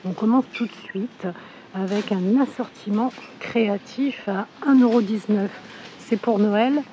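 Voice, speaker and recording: A woman with a hoarse voice from a cold, chatting casually as she shows products in a supermarket on a handheld phone. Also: medium pitch, unhurried, warm tone, slight background noise, poor audio. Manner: chatty, with frequent fillers. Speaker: shopping vlogger. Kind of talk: casual store walkthrough. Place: inside a supermarket.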